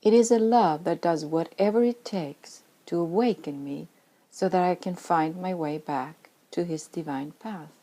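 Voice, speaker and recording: Slow, low-voiced Swedish woman reading. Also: dark tone. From Sweden. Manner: earnest, reflective, at times dropping to a whisper. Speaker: author reading her own story. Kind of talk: reading a personal spiritual memoir.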